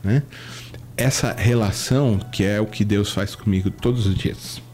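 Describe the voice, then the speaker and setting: Earnest man, mellow voice. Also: steady tone, moderate pace. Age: middle-aged. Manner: earnest, preacherly, reenacts dialogue with shifting pitch. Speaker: co-host of a film chat show. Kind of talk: casual chat.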